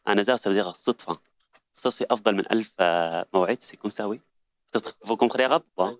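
A man whose first language is Arabic, chatting in French as a learner, halting and searching for words. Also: lowish voice. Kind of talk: casual conversation.

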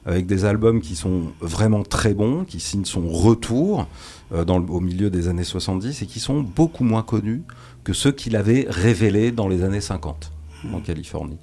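Deep-voiced hesitant radio host man. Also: mellow. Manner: halting, many fillers and restarts. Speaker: radio jazz show host. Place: radio studio.

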